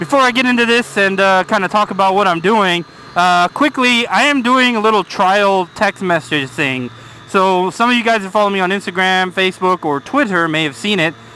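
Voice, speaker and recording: A man's raised, projected voice with lively intonation, dry with no echo, over light background noise. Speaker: motovlogger. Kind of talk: casual vlog chat. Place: motorbike. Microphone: helmet.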